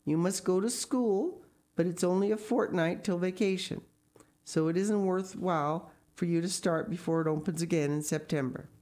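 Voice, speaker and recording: A woman voicing a stern, practical older female guardian in a storybook, brisk and disapproving. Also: fairly low pitch, dark tone, pitched above the performer's own voice, lightly acted.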